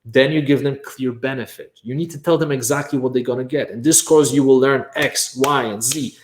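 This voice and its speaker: Leading a lively online session on course creation, this native Polish speaker from Poland punctuates his points with "right?" and says "bam" again and again. He talks briskly at a medium pitch, and the room is audible in the recording.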